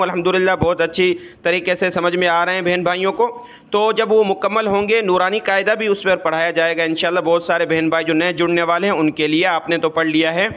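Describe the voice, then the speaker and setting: A man teaching Quran recitation letter by letter, drawing out each sound slowly and then explaining quickly, with a South Asian Urdu accent. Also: high voice, a bit bright. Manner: slow drawn-out recitation, quick explanations between.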